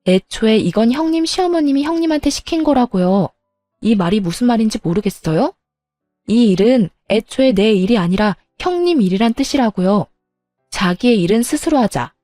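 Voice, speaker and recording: Woman, first-person story narration, sharp defiant retorts, mellow tone, faint music underneath. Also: fairly high pitch, lively intonation, normal speed, dry recording. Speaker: storyteller narrating as daughter-in-law.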